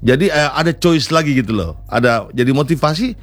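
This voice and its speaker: A man gives earnest, motivating answers in an interview at a middling pitch, stumbling over fillers and restarts as he goes. Soft music plays faintly behind him. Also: expressive, brisk, dry recording. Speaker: film director.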